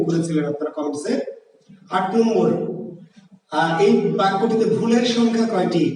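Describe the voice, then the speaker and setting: Guy teacher, high mellow voice, repeats stuff patiently, far off mic in a really echoey room. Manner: explains patiently, repeats key words, slips into a sing-song at times. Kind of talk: online Bangla grammar lecture. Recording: roomy echo with long reverb, voice far from the mic.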